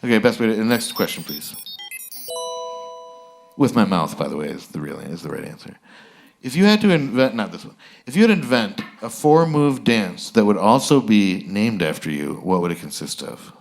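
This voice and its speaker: Male host, low voice, dry easygoing humor. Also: expressive, normal speed, gravelly, faint music behind. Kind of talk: casual live interview.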